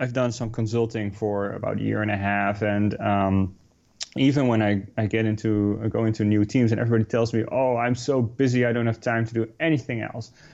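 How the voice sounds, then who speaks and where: With a Dutch accent, a man speaks at a medium pitch and fairly quick pace, his intonation fairly even. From Netherlands. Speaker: startup founder. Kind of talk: podcast interview. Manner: halting.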